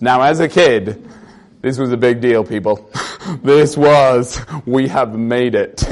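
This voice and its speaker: A man's voice: fairly high pitch, darkish tone. A young Irish man preaching a conversational sermon, reading a psalm and telling a story from his childhood. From Ireland. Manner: earnest, conversational preaching with personal stories.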